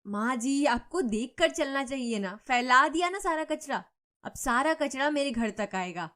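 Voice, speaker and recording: A spiteful neighbor lady from an animated storybook, loud and accusing, picking fights at every turn, put on by a woman narrator. Her voice rides high and shrill. She needles and scolds in sharp, raised bursts. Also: measured pace. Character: quarrelsome scheming middle-aged female neighbor.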